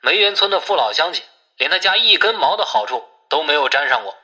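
A man's voice: fairly high pitch, very animated, fast, sharp tone, heavily acted. A man voicing a grumbling, superstitious village man in an audiobook, exclaiming and reluctant, through a telephone effect.

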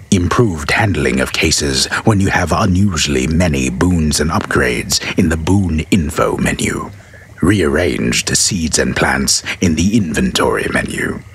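A man with a gravelly, husky voice gives a solemn, theatrical dramatic reading of scripted notes in a stagey, drawn-out manner. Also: extremely low pitch, a bit bright, slight background noise.

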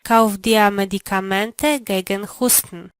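Female co-presenter, measured answers, dry close recording. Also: medium pitch, fairly even intonation, no room sound. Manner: slow, clear answering in drills. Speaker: language lesson co-presenter. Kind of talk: language lesson answers.

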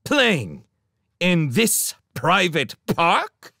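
A man voicing a menacing, pompous, vindictive gentleman magician in an audiobook, with soft speech that can swell into indignation. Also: fairly low pitch, big pitch swings, measured pace, dry recording, studio quality, pitched above the performer's own voice. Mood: indignant fury. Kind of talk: dramatic audiobook character reading.

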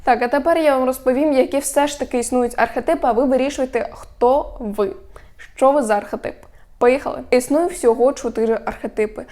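Young female vlogger, instructive and steady, warm dark tone, slightly high pitch. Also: brisk. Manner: instructive, steady, lists points one by one. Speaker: media coach vlogger. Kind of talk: explanatory talk to camera.

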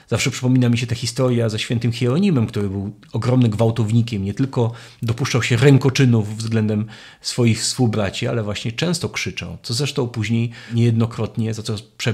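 A man's voice: on the low side, gravelly, a little mellow, slightly rough. A man giving a spoken catechesis, reflective and searching for words, often restarting his phrases. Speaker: lecturer on faith.

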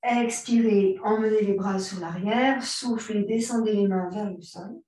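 A woman guiding a yoga class, giving calm, unhurried cues timed to the breath. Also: mid-range voice. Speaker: yoga teacher. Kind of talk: guided yoga class instruction. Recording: very echoey room, mic far off.

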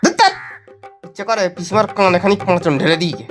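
A man's voice: high-pitched, quick pace, natural voice. A man playing a bossy, grandiose young gang leader, declaiming and easily exasperated, in a theatrical audio drama. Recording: music behind the voice.

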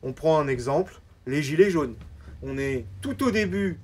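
Radio host, studio panel, halting, many fillers, average pitch. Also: expressive, darkish tone. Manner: reads prompts, halting with fillers. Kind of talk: moderating a studio discussion. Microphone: studio microphone.

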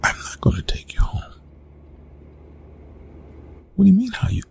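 A man playing a gruff, reluctant young college bully in an ASMR roleplay, talking in a hushed, halting, casual way. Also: close to an everyday voice. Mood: exasperated, hushed. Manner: hushed, halting, casual, often breathy whispering. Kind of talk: ASMR roleplay, intimate one-sided dialogue.

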